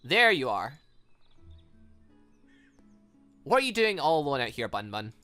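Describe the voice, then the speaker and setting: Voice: mid-range voice, very animated, a little fast, sharp tone, soft background music. Someone reading as a brash young woman fighter. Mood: teasing. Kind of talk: reading visual novel dialogue aloud.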